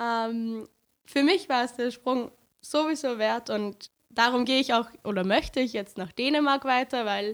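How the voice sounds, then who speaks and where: A woman speaks at a fairly slow pace with a fairly high pitch and ordinary pitch variation. The recording is very clean, with a silent background. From Austria, Lower Austria near Steyr. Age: 20s. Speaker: student, exchange network founder. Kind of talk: casual interview.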